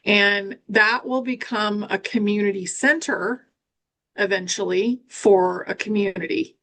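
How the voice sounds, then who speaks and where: A woman's voice: mid-range voice, a little slow, a bit bright. Easygoing woman in casual chat. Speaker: co-host.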